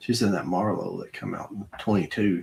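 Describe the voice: A man's put-on character voice, mumbling at a moderate pace with a fairly low pitch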